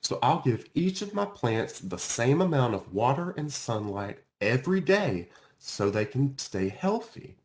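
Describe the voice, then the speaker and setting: A kindly male school counselor voiced by a man from a children's storybook. He is patient and reassuring, explaining gently with varied, animated intonation. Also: medium pitch, measured pace, few pauses.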